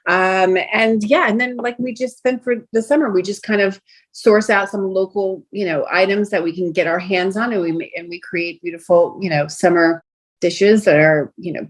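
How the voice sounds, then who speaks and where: A middle-aged woman from Brooklyn talks in a slightly low voice. Her was Greek. She chats loosely as an interview guest, full of "you know" and restarts. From Brooklyn, New York. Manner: chatty, many fillers and restarts. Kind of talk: casual interview chat.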